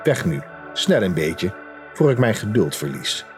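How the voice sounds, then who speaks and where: A man's voice: on the low side, very animated, a little slow, faint music behind. A man voicing a rude, impatient little man who guards a lake and spits when he talks, in a storybook tale. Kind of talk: storybook character voice.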